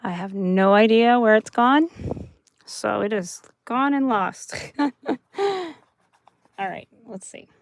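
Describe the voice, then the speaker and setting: A woman hosting a live craft chat, soft and chatty, who often laughs and talks about her dry mouth. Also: mid-range voice, slow, pauses often, slight background noise. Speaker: craft livestream host.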